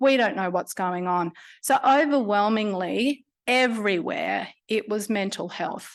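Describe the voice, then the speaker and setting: A woman with an Australian accent, medium in pitch, with lively intonation at a fairly slow pace against a quiet background. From North Western New South Wales, Australia. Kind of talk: conference plenary talk. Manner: casual, humorous.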